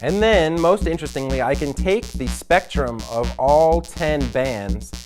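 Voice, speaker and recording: A man giving an instructional demonstration as a product presenter, explaining in measured phrases. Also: on the high side, expressive, over music, low-quality recording. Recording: loud drum machine and synthesizer behind. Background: drum machine and synthesizer sounds.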